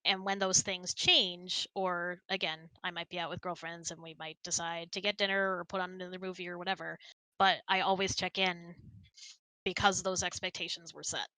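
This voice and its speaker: A woman's voice: fairly low pitch, flat delivery, moderate pace, pushed and bright, dry recording, low-quality recording. A middle-aged woman in casual conversation, talkative and explanatory as she hosts and answers questions. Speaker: host of a couple's hangout. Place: close, dry room on an online voice chat.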